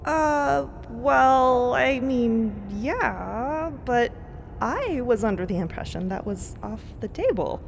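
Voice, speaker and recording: A woman's voice: fairly high pitch, expressive, takes it slowly, gravelly, a little hiss or hum, full character voice. A woman playing a flustered, lovestruck young space explorer in an audio drama, hesitant and incredulous. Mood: nervous, flustered.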